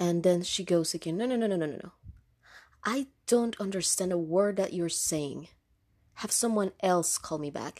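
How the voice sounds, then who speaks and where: Moderate pace and ordinary pitch variation from a woman with a medium-pitched voice. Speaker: podcast host, call center worker. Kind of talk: casual storytelling monologue. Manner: laughs often; hesitant, many fillers.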